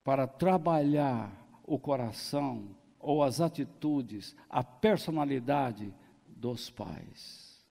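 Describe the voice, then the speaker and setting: A man's voice: medium pitch, animated, takes it slowly, creaky, mellow. A man preaching a sermon as pastor, in a folksy way, joking and acting out the people he quotes. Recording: long hall reverb.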